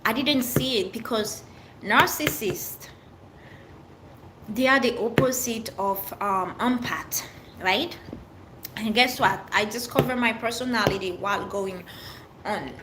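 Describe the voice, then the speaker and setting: This livestream host is a middle-aged Haitian woman with a French accent who chats casually with viewers, candid and earnest. Her fairly high voice comes at a measured pace in short fragments, with frequent pauses and restarts, over a faint background hiss.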